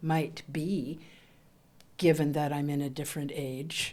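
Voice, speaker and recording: A woman speaks in a dark, mellow tone. Room echo can be heard in the recording. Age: 70s. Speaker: theater maker. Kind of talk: interview. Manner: halting.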